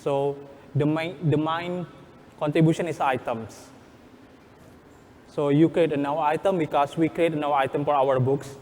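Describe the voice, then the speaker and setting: Male workshop presenter, Indonesian accent, slightly high voice. Halting, instructional, non-native English. Reverberant hall sound. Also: steady tone, darkish tone, a little hiss or hum.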